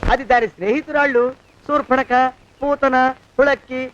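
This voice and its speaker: An actor playing a flustered shop owner in a film comedy, sarcastic and prone to panicked wailing. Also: male voice, extremely high pitch, fairly even intonation, moderate pace, fairly bright tone, a little hiss or hum. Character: flustered shop owner man haunted by past-life wife. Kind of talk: Telugu film comedy acting. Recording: slightly dull film soundtrack.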